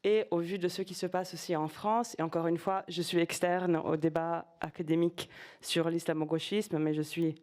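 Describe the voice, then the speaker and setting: A woman's voice: fairly low pitch, fairly even intonation, moderate pace, darkish tone. A woman, a former researcher, asking a panel a long, polite question from the audience, searching for her words. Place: conference hall.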